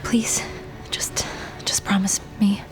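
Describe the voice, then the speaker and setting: A woman's voice: takes it slowly, whispered, close to an everyday voice, low-quality recording. An actress playing an anxious young mother who protects her son, talking tensely and pleadingly. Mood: urgent. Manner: tense, pleading, hushed at times. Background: music.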